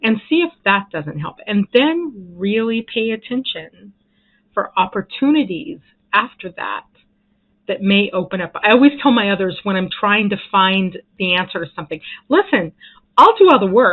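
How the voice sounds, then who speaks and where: An ordinary speaking voice from a woman, medium in pitch, with lively intonation at a moderate pace. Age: 60s. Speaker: pagan minister and spiritual vlogger. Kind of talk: spiritual talk to camera. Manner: casual, with frequent fillers.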